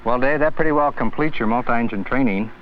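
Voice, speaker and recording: A man's voice: mid-range voice, fairly quick. A man working as a flight instructor, giving hands-on instruction one step at a time. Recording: dull distant recording, loud aircraft engine noise. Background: aircraft engine noise.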